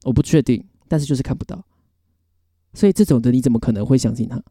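A young Taiwanese man chats on a podcast with a lively, swooping delivery. His tone is mellow and low-key in color, he swears freely and acts out other people's lines, and the sound is close and dry with no room around it. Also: fast talker, no room sound. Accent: Taiwanese Mandarin. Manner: animated storytelling, blunt and profane, mimics others' voices. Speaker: podcast co-host. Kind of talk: casual chat.

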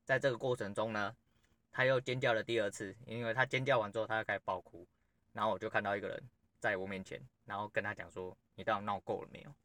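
Fast-talking man telling a story. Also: lowish voice, steady tone, fairly bright tone, no room sound. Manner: rambling, blunt, swears freely. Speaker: podcast host. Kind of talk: casual storytelling monologue.

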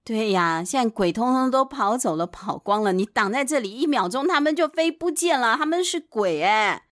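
A woman with a Taiwanese Mandarin accent, hosting and narrating children's bedtime stories in an expressive, chatty way with explanatory asides. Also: fairly high pitch, moderate pace, no echo, studio quality. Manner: expressive, chatty explaining with sentence-end particles. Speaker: podcast host and storyteller, a mother.

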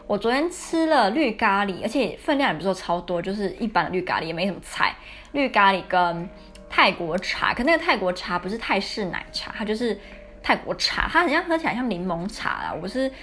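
Speaking fairly quickly with big swings in pitch, this podcast host has a medium-pitched voice that sounds pushed and bright. She is a young woman from Taiwan with a Taiwanese Mandarin accent, sharing personal stories in a chatty, candid and confiding way.

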